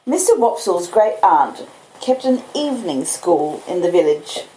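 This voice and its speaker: An Australian woman, a podcaster and audiobook reader, chats and reads literary stories in a slow, cosy storyteller's manner. Her mellow voice sits on the low side yet is very animated. She's captured on laptop and phone mics at home, so the audio is basic with a roomy echo.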